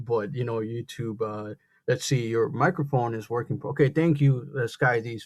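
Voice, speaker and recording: A somewhat breathy male voice with an American accent. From US Midwest. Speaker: livestream host, photographer and musician. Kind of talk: casual live stream chat. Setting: live stream, not in usual spot. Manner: soft-spoken, kept quiet; halting, many fillers.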